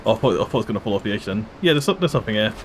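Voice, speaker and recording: A man's voice: lowish voice, expressive, rapid-fire, a little hiss or hum. A man streaming a game, giving chatty, casual commentary with frequent laughs and asides. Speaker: let's play streamer. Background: game music.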